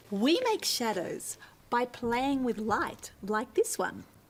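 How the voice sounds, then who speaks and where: Against noticeable background noise, a woman speaks at a very slow pace in a high voice with very wide pitch swings. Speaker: puppeteer. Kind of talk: children's TV explanation.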